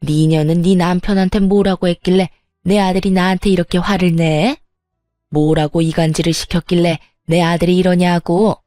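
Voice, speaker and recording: A woman's voice: lowish voice, fairly even intonation, moderate pace, dark tone, dry recording, studio quality, faint music behind, lightly acted. A woman voicing a furious, spiteful older mother-in-law who berates and sneers, in a dramatized story reading. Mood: angry scolding.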